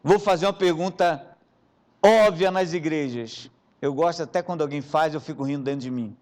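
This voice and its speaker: A man preaching as bishop, telling funny personal stories, with sudden loud bursts and hushed asides and questions thrown to the congregation. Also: fairly high pitch, normal speed. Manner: animated storyteller, swinging between loud bursts and hushed asides; addresses the congregation directly with rhetorical questions. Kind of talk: sermon with humorous personal anecdotes.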